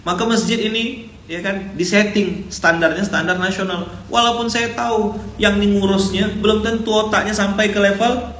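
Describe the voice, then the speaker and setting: A man's voice: sits high, normal speed. Guy in his 30s preaching with a pontianak malay accent, jokey storytelling, echoey mosque hall, a bit of hum. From Pontianak, West Kalimantan. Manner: lively, jokey, acts out the voices of people in his stories. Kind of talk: sermon with personal storytelling.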